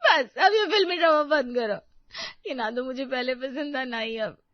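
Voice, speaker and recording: A woman voicing a young, quick-tempered newlywed wife who complains emotionally. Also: high-pitched, no echo, close to an everyday voice. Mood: tearful. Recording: dull, dry sound.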